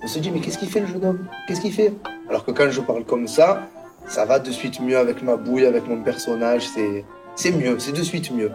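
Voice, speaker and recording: A man's voice: mid-range voice, animated, normal speed. A young man talking casually and demonstrating ways of speaking. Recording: slightly distant, music behind.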